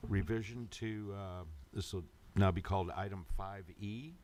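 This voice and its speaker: A man with a very deep voice chairs a public meeting. He talks through procedure informally, in halting phrases pieced together as he goes. Faint noise sits behind him. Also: fairly even intonation, a little mellow. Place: indoor council meeting room. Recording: faintly noisy meeting room microphone.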